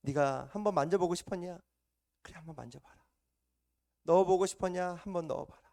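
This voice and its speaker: A preacher voicing a gentle kindly teacher. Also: male voice, high voice, brisk, vocal fry. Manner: soft, warm reassurance. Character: gentle, kindly male teacher speaking softly.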